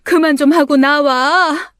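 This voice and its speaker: Story-radio figure: middle-aged mother, tearful and pleading, raised high voice, played by a woman narrator. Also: fairly even intonation, slow pace, a bit bright, no echo, studio quality.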